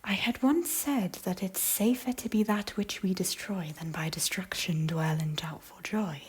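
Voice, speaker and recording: A woman playing a guilt-ridden former queen of Scotland in an audio drama, speaking earnestly and solemnly in a breathy, hushed voice. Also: fairly low pitch, normal speed. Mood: guilty, weary. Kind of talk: intimate audio drama acting.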